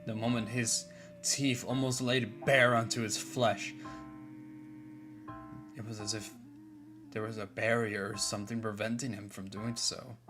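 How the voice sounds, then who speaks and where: A man slowly reading a dark horror fan story aloud, measured and steady. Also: on the low side. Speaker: streamer and artist. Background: guitar music.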